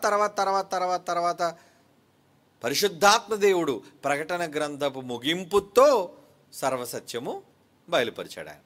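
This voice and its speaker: Preaching man, rhetorical questions, high voice. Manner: swings between quick, raised lines and slow, quiet stresses. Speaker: pastor. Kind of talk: sermon.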